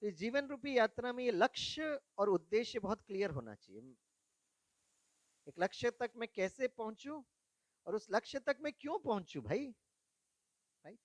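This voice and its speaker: Man, high voice, spiritual talk, storytelling, asks the audience questions, dry close sound. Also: very animated, moderate pace, pauses often, no echo. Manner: mixes English words into Hindi. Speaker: spiritual speaker. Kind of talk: spiritual talk to young people.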